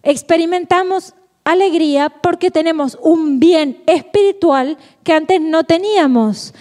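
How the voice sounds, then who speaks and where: A woman with a very high, warm voice gives a Catholic formation talk a little slowly. She's playful, laughs often and throws out rhetorical questions, her words ringing through a hall with long reverb.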